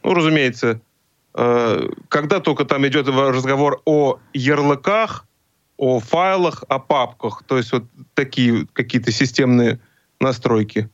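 A man explains software as an interview guest in a mid-range voice. He speaks haltingly, searching for the right words. The audio is very dry and a little lo-fi. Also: medium pitch, no room sound. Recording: dry, slightly dull lo-fi audio.

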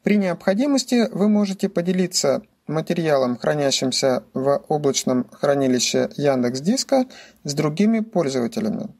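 A man's voice: fairly high pitch, lively intonation, normal speed, darkish tone. A man giving scripted instructional narration as a tutorial presenter, explaining things methodically, step by step.

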